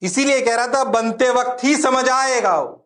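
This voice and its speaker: A male physics teacher giving a lively exam-prep lecture, repeating questions to his students. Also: very high voice, moderate pace. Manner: animated, playful, repeats questions to the class.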